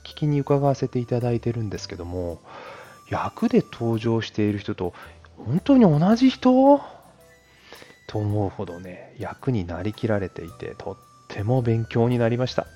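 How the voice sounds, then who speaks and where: A man's voice: on the low side, dark tone. A man hosting an audio show, making announcements and thanking listeners in polite, courteous language with chatty asides. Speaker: audio channel host and amateur voice performer.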